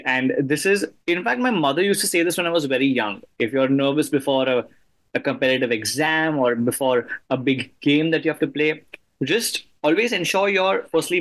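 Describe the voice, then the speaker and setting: A man's voice: medium pitch, fairly bright tone. A man hosting a podcast, talking conversationally and reflectively with an interview guest. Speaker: podcast host.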